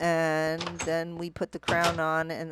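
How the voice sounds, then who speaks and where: A woman with a fairly low pitch speaks in a dry, close sound with no echo, on a very clean recording with a silent background. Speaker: gaming video commentator. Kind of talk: gameplay commentary. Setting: home recording on PS4. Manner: casual, hesitant with fillers.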